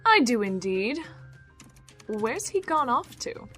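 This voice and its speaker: An actress playing a playful, ruthless villain in an audio drama, teasing and theatrical. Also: female voice, fairly high pitch, very animated, takes it slowly, a bit bright, faint music behind, heavily acted.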